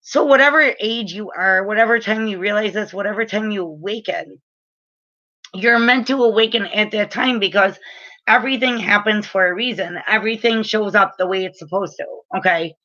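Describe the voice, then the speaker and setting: Woman, late 30s, spiritual reader, chatty and earnest, crisp bright tone, a bit muffled. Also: mid-range voice, moderate pace. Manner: chatty, filler-heavy, earnest and frank. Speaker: spiritual reader and energy healer. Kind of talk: casual spiritual advice talk to camera.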